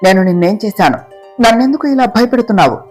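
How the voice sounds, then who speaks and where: A woman's voice: medium pitch, lively intonation, quick pace, darkish tone, soft background music, close to an everyday voice. A woman voicing a frightened, scheming young woman, speaking in a raised, panicked, pleading voice.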